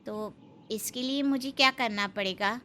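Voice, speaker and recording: A woman's voice: fairly high pitch, unhurried, pushed and bright, a little hiss or hum. A woman voicing a meek, timid young daughter-in-law in a cartoon, resigned in tone.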